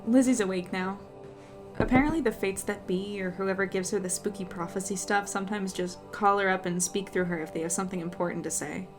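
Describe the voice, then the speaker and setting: Clear music plays behind an actress as a young woman who is new in a strange town. She is earnest and a little unsure, musing aloud in a conversational audio drama style. Her pitch sits in the middle range for a woman. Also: steady tone, fairly quick, natural voice. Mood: reflective, uncertain. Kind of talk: audio drama dialogue and reflective first-person narration.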